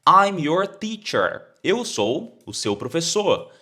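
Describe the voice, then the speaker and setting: A Brazilian man with a Brazilian Portuguese accent who teaches English, repeating phrases slowly for learners to copy. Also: on the high side, sing-song, bright, forceful tone, breathy edge. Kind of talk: explaining an English lesson.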